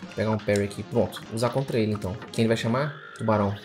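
A man with a Brazilian Portuguese accent giving excitable let's play commentary while gaming, often repeating exclamations in bursts. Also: lowish voice, very fast, over music. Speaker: gamer.

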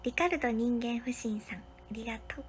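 A young woman, hosting a casual livestream from a hotel room and thanking viewers for their comments one by one, sometimes dropping to a soft whisper. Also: a little high, fairly quick, slight background noise. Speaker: livestream host.

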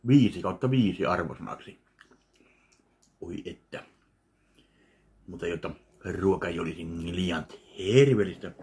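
A man's voice: sits low, a little mellow. A man in his thirties, recording a casual food tasting vlog at home, talking between bites and humming while he chews. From Finland. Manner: chewing and savoring aloud, mumbled asides while eating. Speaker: food review vlogger. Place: small home kitchen, indoors. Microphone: webcam at desk, framed close.

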